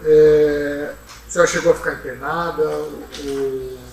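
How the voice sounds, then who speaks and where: A woman questioning a witness in court with measured, formal follow-up questions. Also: low voice, steady tone, a little mellow. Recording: roomy courtroom from far off, faint hum.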